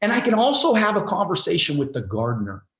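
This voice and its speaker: A man in his forties speaks as a guest coach in a motivational conversation. His voice sits high and swings lively up and down. He talks emphatically and casually, repeats words and swears freely, and the room gives a roomy echo. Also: fast. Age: 40s.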